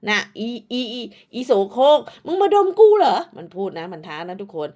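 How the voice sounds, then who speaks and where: A woman's voice: mid-range voice, very animated, moderate pace, a little mellow. A woman ranting at rival creators, scolding and insulting them crudely, with repeated short tags. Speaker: online commentator. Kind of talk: profane rant at rival creators.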